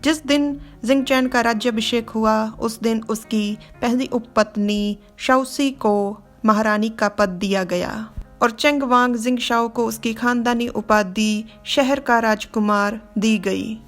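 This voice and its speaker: Woman narrating a story, high voice. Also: steady tone, takes it slowly, soft background music. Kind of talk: storytelling explanation.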